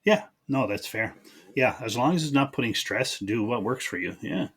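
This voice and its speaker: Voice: medium pitch, lively intonation, normal speed, husky. A podcast host interviewing in a casual, informal way, with frequent short affirmations.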